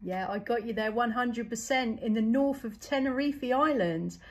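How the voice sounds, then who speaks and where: A woman's voice: a little high, normal speed. A woman, working as a CB radio operator and chatting through signal reports.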